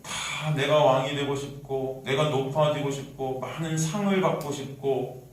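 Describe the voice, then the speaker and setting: Korean male pastor, Seoul accent, impassioned sermon with sudden loud and soft turns, recorded from afar in a reverberant sanctuary. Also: mid-range voice, fairly even intonation, measured pace. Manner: dramatic swings from soft to loud, acting out voices. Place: church sanctuary. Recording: echoey church hall, mic at a distance.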